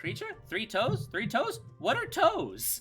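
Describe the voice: In a put-on character voice, the speaker goes at a fairly slow pace while faint music plays in the background.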